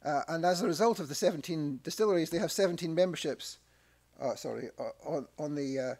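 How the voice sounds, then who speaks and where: A middle-aged Scottish man giving a talk into a podium microphone in a conference room. His voice is gravelly and a little husky, and he pauses with hesitations and slips in dry asides. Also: fairly high pitch, a little mellow. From Scotland. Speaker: academic researcher presenting. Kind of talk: conference presentation. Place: press club conference room.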